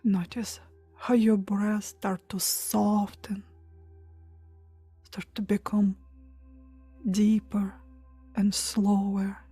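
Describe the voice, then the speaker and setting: A woman leading a guided meditation in a soft, breathy, hushed and soothing voice, pausing between short phrases. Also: medium pitch, flat delivery, no echo, faint music behind. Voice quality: soft, breathy, near-whisper at times. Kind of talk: guided meditation, hypnotic relaxation countdown.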